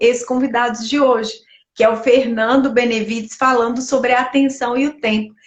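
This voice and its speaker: A woman with a Minas Gerais accent, high in pitch, with ordinary pitch variation. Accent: Minas Gerais Brazilian Portuguese. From Minas Gerais, Brazil. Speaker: live stream host, doctor. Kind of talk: casual live interview. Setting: online live stream. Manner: talkative.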